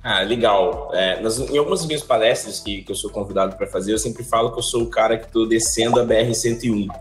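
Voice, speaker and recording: Animated man in his forties on a video call. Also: on the low side, fast, echoey room, soft background music. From Salvador, Brazil. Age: 40s. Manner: animated, gestures with both hands while explaining. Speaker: guest, finance educator. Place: office with large windows.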